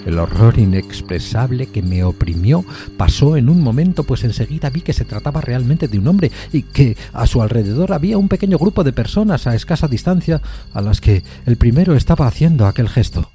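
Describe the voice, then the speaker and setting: A man narrating a literary suspense story in a measured, solemn manner. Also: mid-range voice, sing-song, warm tone, faint music behind.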